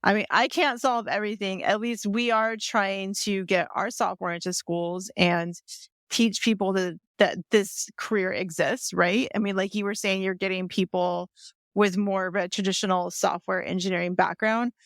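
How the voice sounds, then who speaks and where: A woman's voice: medium pitch, steady tone, moderate pace, fairly bright tone, dry recording. A woman guest on a podcast, speaking earnestly and thinking aloud about her work. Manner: earnest, thinks aloud with fillers like "you know". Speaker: guest, software company founder. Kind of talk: casual conversation.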